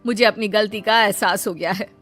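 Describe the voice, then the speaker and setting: A woman's voice: mid-range voice, steady tone, moderate pace, faint music behind, close to an everyday voice. A woman voicing a stern, scolding middle-aged mother-in-law in a cartoon story. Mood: apologetic. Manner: sharp, bossy, complaining.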